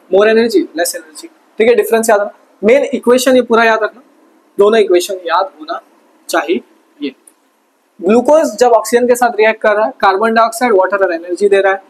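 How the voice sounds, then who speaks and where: A man teaching a fast exam revision lesson, casual and chatty, asking quick questions and answering them himself. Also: high-pitched, rough recording. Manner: quizzes himself with quick call-and-response questions. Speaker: science tutor.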